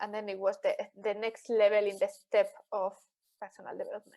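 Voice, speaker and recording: Speaking with a Spanish accent, a woman has a fairly high pitch. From Spain, Catalonia. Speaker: engineer, entrepreneur and author. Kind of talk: interview. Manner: halting, with many repeated words.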